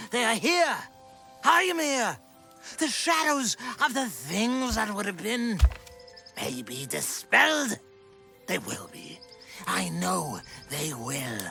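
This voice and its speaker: A man's voice: very high voice, creaky, sharp tone, full character voice. An actor playing an old miser in an audio drama, theatrical, exclamatory and overwrought as he repents. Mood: giddy joy. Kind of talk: audio drama stage acting.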